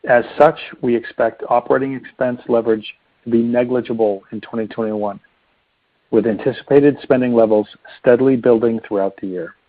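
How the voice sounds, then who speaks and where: A man delivers prepared financial remarks formally and evenly, like an executive on an earnings call. His voice is somewhat husky and of ordinary pitch. It comes through a very narrow telephone line. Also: fairly even intonation, a little fast, dry recording. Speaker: company finance executive presenting results. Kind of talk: scripted earnings report narration. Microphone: telephone conference line. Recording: muffled narrow phone-line conference call.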